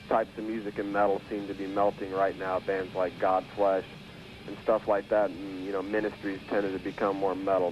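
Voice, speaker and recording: Phone-in guest, a man with a lowish voice, halting and full of ums, muffled on a hissy worn tape copy. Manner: hesitant, many fillers. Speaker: record producer, phone guest. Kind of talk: casual phone interview. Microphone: telephone. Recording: dull phone line on worn tape with hiss.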